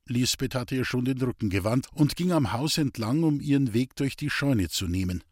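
A man narrating a German novel in an even storytelling voice. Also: mid-range voice, normal speed, dry recording, clean studio sound. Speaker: audiobook narrator. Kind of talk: scripted narration.

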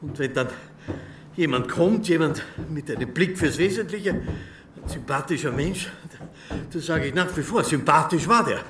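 A man's voice: fairly high pitch, animated, normal speed, noisy background, lightly acted. Man playing a chatty small-town mayor. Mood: proud. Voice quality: talkative, rambling, chuckling asides. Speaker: local official guiding a visitor.

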